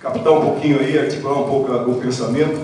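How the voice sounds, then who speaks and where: An older man with a Brazilian accent moderating a seminar panel, speaking formally and haltingly as he searches for words. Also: mid-range voice, fairly even intonation, darkish tone. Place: large indoor auditorium at panel table. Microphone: handheld microphone through hall, far camera. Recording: echoey auditorium, distant mic, faint noise.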